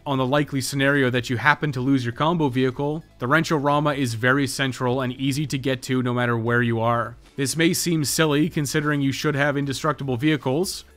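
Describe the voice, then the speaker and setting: A man's voice: mid-range voice, brisk, few pauses, a bit bright. A man reading a scripted video game guide in an explanatory, matter-of-fact manner. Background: music.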